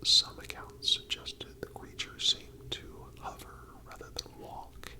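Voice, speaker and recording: A man whispering a scripted story as an ASMR host, in a measured, deliberate way with pauses.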